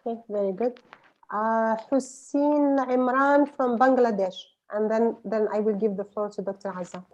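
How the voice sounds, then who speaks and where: A woman's voice: on the high side, steady tone, normal speed, a little mellow, muffled recording. A woman moderating a question session on a video call, courteously handing the floor to participants by name. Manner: courteous, hands turns to speakers by name. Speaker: moderator of an online panel.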